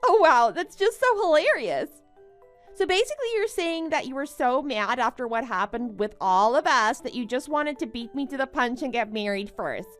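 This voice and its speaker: A woman's voice: high-pitched, expressive, normal speed, a bit bright, soft background music. A woman playing a smug, boastful young bride in a melodramatic story, taunting and condescending as she exclaims. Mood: incredulous, mocking. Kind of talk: melodramatic animated-story voice acting.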